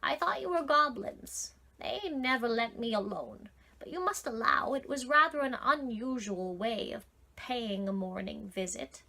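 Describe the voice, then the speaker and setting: A woman's voice: on the high side, lively intonation, a little slow, vocal fry, bright, forceful tone, full character voice. A woman doing a growling crooked old man. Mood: fussy. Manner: growling, quivering with anger.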